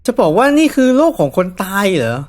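A man's voice: high-pitched, huge pitch swings, fast talker. A man giving casual horror game commentary in a chatty way, nervously talking himself through the scary parts. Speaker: gaming YouTuber.

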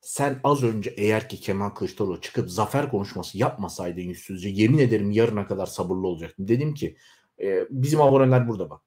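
A man's voice: lowish voice, brisk. Furious man in his forties ranting. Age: 40s. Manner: heated, scolding, voice swinging up into shouts. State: shaking with anger. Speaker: YouTuber. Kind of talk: angry political rant to camera.

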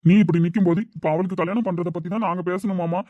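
A man's voice: sits high, fairly even intonation, racing, no room sound. A man playing an older father weighed down by guilt over his daughter, talking in an earnest, heavy-hearted way. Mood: sorrowful. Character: grieving aging father, guilt-ridden and tender. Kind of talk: amateur family drama acting. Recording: dull lo-fi sound.

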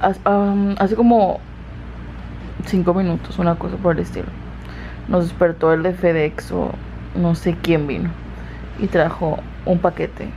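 A woman's voice: on the low side, fairly even intonation, measured pace, vocal fry, long pauses, dark tone, slight background noise. A young woman chatting casually to a handheld camera at home, sleepy and rambling. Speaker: beauty vlogger. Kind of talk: casual vlog chat to camera. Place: home, indoors and out in the yard.

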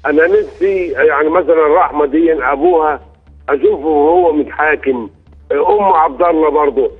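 A man's voice: a little high, fairly quick, breathy edge, faint music behind. A middle-aged man with an Egyptian accent calling in over a bad, hard-to-hear phone line, asking plain, polite questions. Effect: caller on a bad, hard-to-hear phone line. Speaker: caller. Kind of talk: call-in chat. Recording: muffled tinny phone line.

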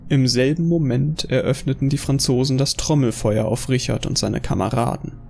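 A man narrates a scripted horror audio drama in a gravelly voice of medium pitch. There is faint noise behind his narration. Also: normal speed, darkish tone.

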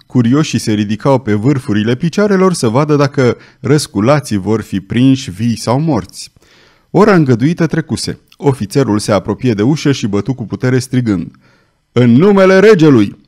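A man narrating an audiobook with a dramatic, expressive reading. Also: mid-range voice.

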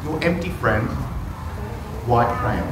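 A man's voice: medium pitch, big pitch swings, slow. A man voicing a forlorn, neglected white crayon in a storybook read-aloud, plaintive and questioning. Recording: distant, roomy classroom with noise.

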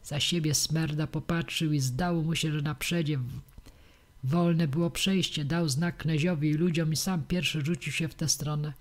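A woman narrating a classic novel for an audiobook. She reads in a measured, steady way through long passages. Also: sits low. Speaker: audiobook reader.

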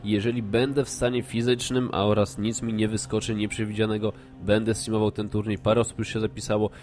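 A man with a fairly low, stuffed-up nasal voice and a Polish accent gives an informal update as a gaming streamer. He sounds like he has a cold and explains things loosely and hesitantly. Music plays behind him. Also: flat delivery, fast, a little mellow. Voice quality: congested, nasal from a blocked nose. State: has a cold with blocked nose. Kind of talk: informal announcement to viewers.

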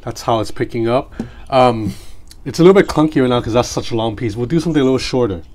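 A man, Cantonese his first language, runs through a gadget review at an indoor table. His talk is relaxed and conversational, with a mid-range pitch, and he narrates each step as his hands show it. The sound comes from a desk mic nearby. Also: fast talker. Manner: relaxed, chatty, demonstrating as he goes. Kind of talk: casual product review. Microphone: separate mic near the desk.

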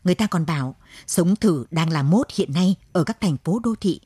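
A gruff older country father from a radio storybook, grumbling in a low, warm voice, as a woman narrator reads his lines. The voice is a little husky and sounds dry and close. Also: animated, normal speed, dry recording. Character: worried rural father, older man, gruff and blunt.

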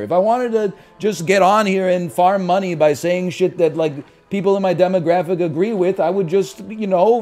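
Man in his thirties, animated streamer riffing. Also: high voice. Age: 30s. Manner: animated riffing, swings loud and quiet for bits. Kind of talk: casual gaming stream chat. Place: small room at home. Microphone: headset.

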